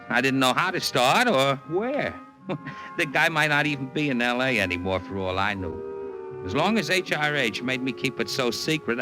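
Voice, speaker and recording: An actor playing a wisecracking, fawning Hollywood agent in a 1940s radio drama. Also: male voice, medium pitch, natural voice, rough recording. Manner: wisecracking, fawning toward his boss. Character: fast-talking male Hollywood agent, eager yes-man. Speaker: narrator and lead.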